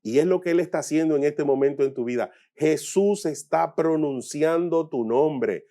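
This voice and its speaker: A man from the Dominican Republic with a Dominican Spanish accent, hosting a Catholic program and preaching on the Gospel with slow, emphatic, repeated phrases. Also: fairly high pitch, dark tone. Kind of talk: sermon-style Gospel reflection.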